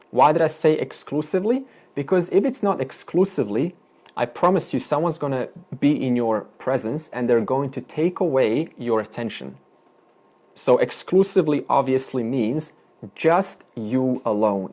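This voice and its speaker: A man lecturing a Vedanta class, his voice rising and falling in a lively, animated way. He explains each idea step by step and keeps turning questions to his students. His pitch sits in the middle for a man. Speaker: Vedanta teacher.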